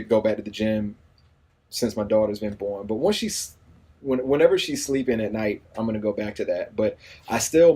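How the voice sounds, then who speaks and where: A man's voice: on the low side, creaky, mellow, slightly rough. A man in his forties talking casually in an interview, easygoing and rambling, often saying "you know what I mean.". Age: 40s. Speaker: radio personality and new father.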